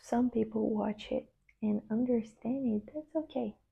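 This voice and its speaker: The tone is gentle. The speaker is soft-spoken. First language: Portuguese. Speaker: ASMR creator. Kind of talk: soft-spoken ASMR talk to camera. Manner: soft-spoken, gentle, hesitant.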